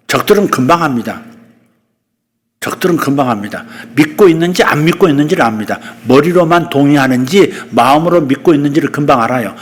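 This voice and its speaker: Animated Korean pastor preaching. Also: male voice, a little high, in a large hall. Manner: animated preaching, acting out bold rebukes to the congregation. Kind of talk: sermon.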